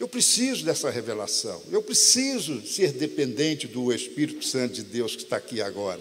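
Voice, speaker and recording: Noticeable background noise sits behind this man's voice. He keeps a moderate pace with hardly any pauses. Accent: Minas Gerais. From Brazil, Minas Gerais. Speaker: rabbi / messianic preacher. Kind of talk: lecture.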